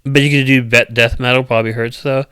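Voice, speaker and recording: A man talks loosely to his viewers in a loud, strong voice that jumps in volume and keeps restarting its sentences. His tone is smooth and resonant at an ordinary pitch for a man. The sound is close and dry, with no room behind it. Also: flat delivery, fast talker, dry recording. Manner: rambling, loud, uneven cadence, many restarts. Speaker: streamer chatting with viewers. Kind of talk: casual live chat.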